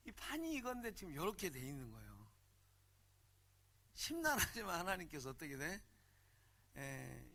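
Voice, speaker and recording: A man preaching a sermon at a church retreat in a blunt, humorous, colloquial way, often calling out for the congregation to answer "amen.". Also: fairly high pitch. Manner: animated, calls for "amen" and "hallelujah" responses; colloquial, blunt and humorous, mimics regional speech. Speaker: pastor.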